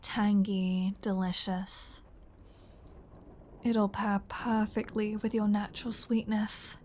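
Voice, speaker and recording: A woman's voice: mid-range voice, flat delivery, slow pace, a little mellow, a little hiss or hum, natural voice. A woman playing a flirty, menacing vampire in an intimate ASMR audio roleplay, teasing and sardonic, sometimes slipping toward a whisper. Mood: menacing, seductive. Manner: teasing, sardonic, drawling, drops into breathy whispers. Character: flirty, playful, menacing female vampire taunting a hunter.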